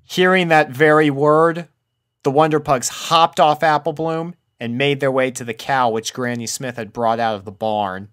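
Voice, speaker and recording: A man's voice: medium pitch, fairly even intonation, moderate pace, fairly bright tone, clean tone. A man reading a scripted story aloud as its narrator. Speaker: fan fiction reader.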